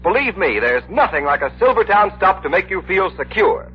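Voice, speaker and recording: A man announcing on 1930s radio, speaking persuasively and emphatically in a lively, rather high voice. The sound is dull, like an old broadcast. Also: moderate pace, breathy edge.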